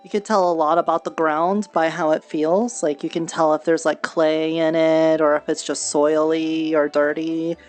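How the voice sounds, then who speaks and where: A low voice over music: a woman as a clawed creature of the woods in fantasy roleplay. She is earnest and candid, thinking aloud in a plain, matter-of-fact way. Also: level tone, moderate pace, hardly any pauses, darkish tone, close to an everyday voice. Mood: calm, friendly. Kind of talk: improvised VRChat fantasy roleplay.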